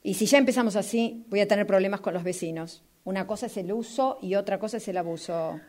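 A woman's voice: mid-range voice, fast, a little mellow, lightly acted. A woman with a Rioplatense accent playing a firm, easily exasperated male estate agent in an amateur radio drama. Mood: scolding. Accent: Rioplatense Spanish. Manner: insistent, scolding, repetitive.

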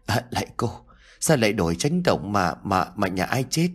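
A man's voice: fairly low pitch, big pitch swings, moderate pace, breathy edge. A man voicing a timid, deferential villager who speaks hesitantly and stammers, in a told ghost story.

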